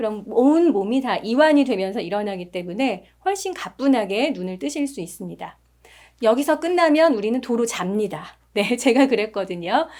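Her pitch is fairly high for a woman. It swings very widely as she talks. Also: moderate pace. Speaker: voice and speech coach. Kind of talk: tutorial. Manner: calm, measured instruction.

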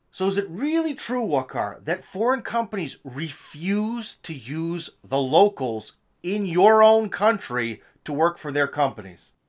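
A high-pitched man with a Cleveland accent, very wide pitch swings and a quiet background. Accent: Cleveland American. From US Midwest, Cleveland. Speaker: YouTube interviewer. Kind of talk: interview. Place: home room. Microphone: studio mic.

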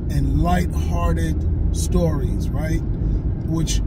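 Amid loud background noise, a man talks very slowly. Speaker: filmmaker vlogger. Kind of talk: casual vlog chat. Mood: relaxed opinionated musing. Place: car. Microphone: phone near.

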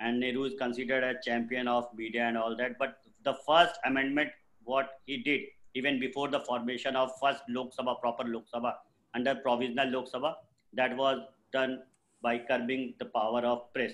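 Speaking fairly quickly in an Indian accent, a man keeps a medium pitch with a monotone, flat intonation. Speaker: political science professor. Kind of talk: lecture. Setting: video call. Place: home room. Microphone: webcam.

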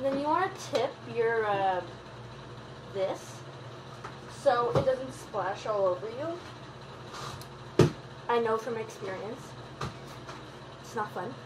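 Through loud background noise, a woman speaks at a very slow pace with long, frequent pauses. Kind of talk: casual tutorial. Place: shop. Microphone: camera far.

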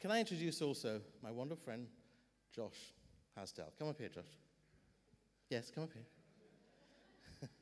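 A British accent with lively intonation, a fairly slow pace, and long, frequent pauses. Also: man, medium pitch for a man. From United Kingdom. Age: 50s. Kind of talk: sermon. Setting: stage with audience. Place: hall. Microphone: handheld.

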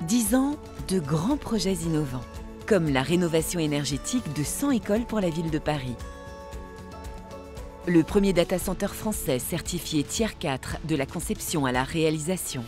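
Woman's fairly low, fairly slow speech with lively intonation and long, frequent pauses, dry with no echo, over clear music in the background. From France. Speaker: voice actor. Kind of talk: corporate narration. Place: booth. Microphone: studio mic.

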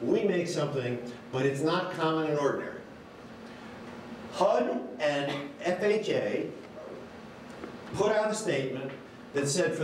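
The room echo is audible, with light background noise. A man speaks at a moderate pace. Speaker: guest. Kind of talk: lecture. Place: hall.

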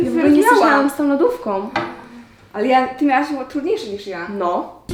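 Very fast speech with very wide pitch swings over music in the background. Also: woman, high pitch for a woman. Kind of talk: casual talk to camera. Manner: loud, excited.

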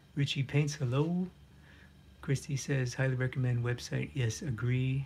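A man with an American accent speaks at a fairly slow pace. His voice is fairly high and somewhat breathy. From US South, Florida (Pinellas Park). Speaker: poster artist and art instructor. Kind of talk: live-streamed drawing tutorial. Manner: halting, many fillers.

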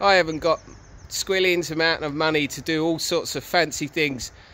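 With ordinary pitch variation, a man talks in a bright, sharp tone. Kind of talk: casual vlog chat. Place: garden. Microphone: phone near.

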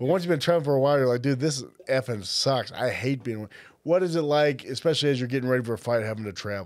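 A man speaks very fast at a medium pitch with ordinary pitch variation over a quiet background. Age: 30s. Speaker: podcast co-host, casual fan. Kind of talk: casual chat. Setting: studio. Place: studio. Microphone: studio mic.

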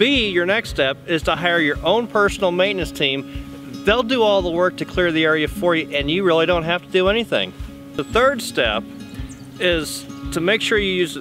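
A man speaks in a high voice, with clear music playing behind him. The sound is dry, with no echo. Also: moderate pace. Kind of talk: humorous tutorial. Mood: playful, tongue-in-cheek. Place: open country.

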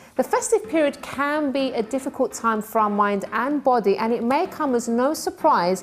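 Faint music plays behind a woman speaking at a moderate pace in a high voice. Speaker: TV presenter. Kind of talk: presenter monologue to camera. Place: studio.

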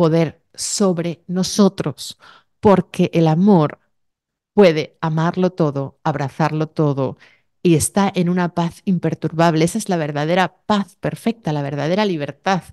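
Against a quiet background with dry sound and no echo, a woman with a fairly low pitch and a dark, mellow tone speaks at a fairly slow pace. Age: 40s. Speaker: spiritual teacher. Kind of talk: spiritual talk. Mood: calm, heartfelt. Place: home room. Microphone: studio mic.

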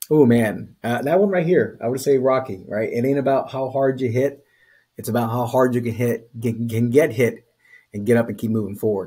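A man's dark, mellow tone at a moderate pace, with a quiet background. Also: ordinary pitch variation. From Miami, Cuban-American. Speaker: insurance agency leader; podcast guest. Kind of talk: casual interview. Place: office.

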